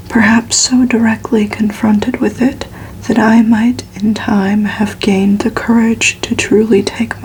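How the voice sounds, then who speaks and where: A woman doing whispered ASMR reading in a breathy, slightly cracked voice, gentle and unhurried, a little short of breath while getting over a cold. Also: mid-range voice, slight background noise, poor audio. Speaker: host of an ASMR reading channel.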